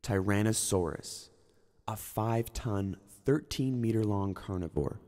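Man as a mellow, echoing documentary narrator. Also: fairly low pitch, measured pace, voice pushed down, close to an everyday voice. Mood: grave, ominous. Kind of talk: scripted narration. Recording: long cavernous hall reverb.

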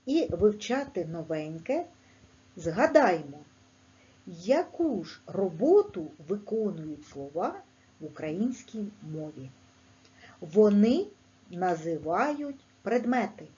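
A woman teaching young children a language lesson, speaking clearly in a sing-song teacher manner with a Ukrainian accent. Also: highs cut off. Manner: slow, clear, sing-song teacher talk with lively pitch. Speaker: primary school teacher.

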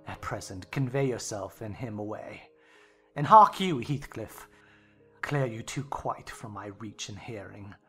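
A woman's voice: extremely low pitch, lively intonation, a little slow, slightly rough, faint music behind, pitched below the performer's own voice, exaggerated voice. A woman playing a scornful drunken father. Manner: scornful and mocking. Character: drunken, reckless middle-aged father, bitter and scornful.

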